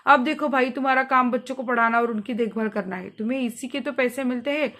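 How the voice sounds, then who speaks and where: A woman's voice: a little high, fast talker, a bit bright, natural voice. A woman reading the part of a stern, scheming male employer who lectures and scolds his governess. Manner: lecturing, grows agitated and stammers.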